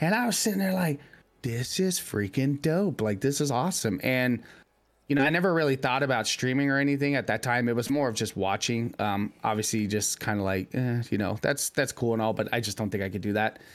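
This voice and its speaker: A man with an American accent has an unremarkable speaking voice at a medium pitch, with lively intonation and very even loudness. He talks at a fairly quick pace on a very clean recording with a silent background. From Texas, El Paso. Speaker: streamer, Marine veteran. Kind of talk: casual chat.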